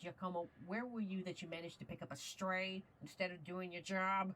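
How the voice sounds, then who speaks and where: A woman's voice: on the low side, flat delivery, fairly quick, fairly bright tone, a little hiss or hum, natural voice. A woman playing a brash, charming, apologetic mafia boss in an audio roleplay, with a wry, flirtatious and theatrical delivery. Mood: muttered scolding. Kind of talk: audio roleplay acting addressed to the listener.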